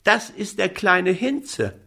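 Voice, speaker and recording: A man doing a shrill, demanding little boy. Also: takes it slowly, creaky, exaggerated voice. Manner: shrill, insistent shouting.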